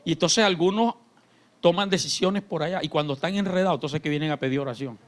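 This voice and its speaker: A man pastor, preaching a sermon in church. His delivery swings between shouted fervor and quiet, confiding talk. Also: fairly high pitch, fast talker. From Colombia. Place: church sanctuary.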